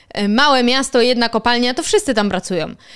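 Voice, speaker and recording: High-pitched and full of lively intonation, a woman speaks against a quiet background. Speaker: news commentary YouTuber. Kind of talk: casual news commentary vlog. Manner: informal, conversational with self-corrections. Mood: critical, indignant. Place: home room. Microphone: studio mic.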